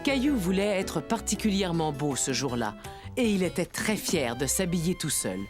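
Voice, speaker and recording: A woman narrates a children's cartoon like a storybook. Her lowish voice moves in lively swings of pitch. Music plays clearly beneath her. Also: moderate pace. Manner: warm, expressive storytelling.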